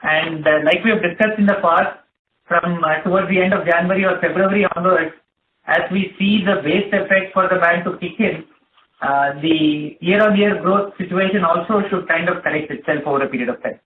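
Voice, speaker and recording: A man giving measured, explanatory answers as a company executive on an earnings call. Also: high voice. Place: conference call. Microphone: telephone. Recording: tinny phone line with noise and clicks.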